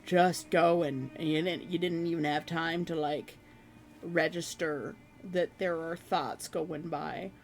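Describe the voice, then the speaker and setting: Hoarse home streamer, middle pitch, rambling self-mocking chat, faint music behind. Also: steady tone, slow pace. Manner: rambling, self-deprecating, laughs often. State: hoarse, losing voice. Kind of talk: casual chat with viewers. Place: own room at home.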